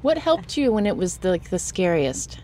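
A woman's voice: lowish voice, big pitch swings, normal speed, noisy background. A woman hosting an interview podcast, speaking in a conversational way. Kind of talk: conversational interviewing and scripted narration.

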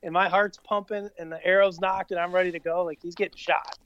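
A man's voice: high-pitched, steady tone, a little fast, dry recording, dull audio. A man in his late thirties, chatting casually as a podcast co-host, easygoing and rambling with lots of fillers. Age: 30s. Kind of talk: casual chat.

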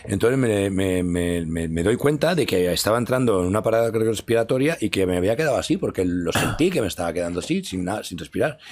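A man's voice: fairly low pitch, fast, few pauses. A man, a guest vividly recounting a personal story in a podcast interview. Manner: vivid, animated retelling.

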